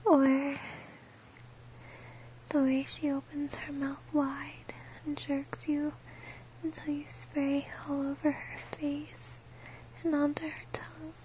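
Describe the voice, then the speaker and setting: Woman, intimate erotic whisper, slow and steady, high and level delivery. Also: highs cut off, a little hiss or hum. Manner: slow, breathy, close whisper.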